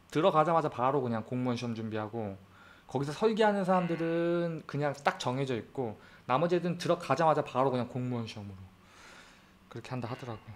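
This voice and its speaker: The voice races along at a very fast pace with lively intonation. Its loudness swings widely. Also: man, fairly high pitch for a man. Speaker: YouTuber. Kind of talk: casual chat. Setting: video call. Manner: casual. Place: home room. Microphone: video call.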